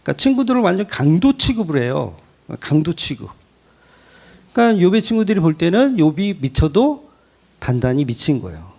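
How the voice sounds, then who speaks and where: Male pastor, middle-aged, high voice with a wide melodic swing; animated sermon with acted-out quotes. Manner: animated, acts out quoted speech with rhetorical questions.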